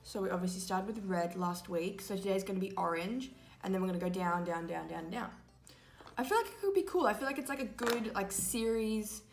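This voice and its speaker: Young woman, slightly hoarse, chatty with lots of fillers, casual tutorial talk, echoey room, faint music behind. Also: medium pitch, a little fast. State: slightly hoarse, losing her voice. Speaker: makeup vlogger. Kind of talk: casual makeup tutorial chat. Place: small indoor room before a grey backdrop.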